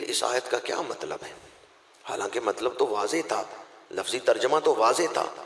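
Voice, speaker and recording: Impassioned Pakistani preacher in an echoey hall. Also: male voice, lowish voice. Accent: Pakistani Urdu. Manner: impassioned preaching that swings from shouted declamation to quiet storytelling. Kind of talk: sermon. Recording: echoey hall with long reverb.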